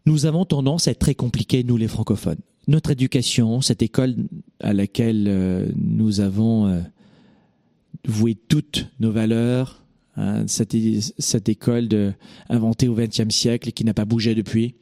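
A man with a French accent hosting a motivational talk, emphatic, asking rhetorical questions and pausing on hesitations. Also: fairly low pitch, steady tone, gravelly, warm tone, dry recording, studio quality. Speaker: host and success coach.

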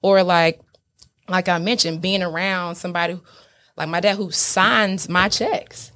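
A woman's voice: on the low side, fairly even intonation, unhurried, fairly bright tone. A woman with an African American accent in candid, casual conversation, speaking emphatically with frequent swearing and checking in with the listener. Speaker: business owner being interviewed.

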